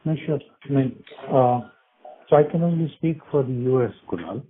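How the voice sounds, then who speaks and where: A man's voice: mid-range voice, lively intonation, moderate pace. A man answering business questions as a company executive, speaking unscripted over a phone line. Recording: narrowband phone line with clicks and noise.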